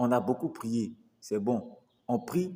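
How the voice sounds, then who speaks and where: A man with an Ivorian accent, medium pitch, a dark, mellow tone, ordinary pitch variation and a fairly slow pace. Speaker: pastor. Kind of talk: sermon recap teaching.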